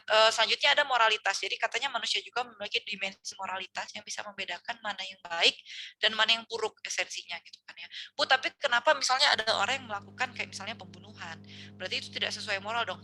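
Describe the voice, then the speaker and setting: A woman's voice: mid-range voice, bright, forceful tone. A woman giving a casual university lecture, chatty and full of fillers and tag questions.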